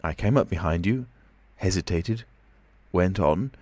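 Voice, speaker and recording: A man's voice: sits low, expressive, unhurried, a little mellow, breathy edge, no room sound, exaggerated voice. A man voicing a commanding, menacing invisible man in an audiobook, speaking urgently and domineeringly. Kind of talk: audiobook character voice.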